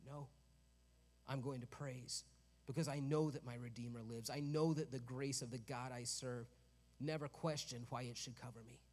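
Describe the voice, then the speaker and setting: A man's voice: mid-range voice, steady tone, normal speed, a little mellow, long reverb tail. A man preaching a sermon in a conversational way, with joking asides and rises to emphatic peaks.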